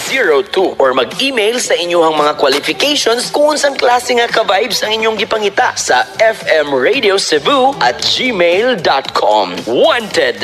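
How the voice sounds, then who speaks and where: Animated Cebuano-accented male radio DJ. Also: high voice, a little slow, hardly any pauses. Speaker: radio DJ promoting his show. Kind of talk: upbeat scripted radio promo. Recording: music bed under voice. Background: music.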